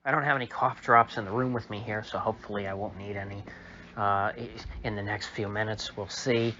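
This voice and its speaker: A man who is ill, voice a little off, giving a halting, opinionated political commentary monologue full of fillers, recorded in a room. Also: on the low side, steady tone, bright, forceful tone, dull audio. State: sick, slightly off voice. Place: indoor room.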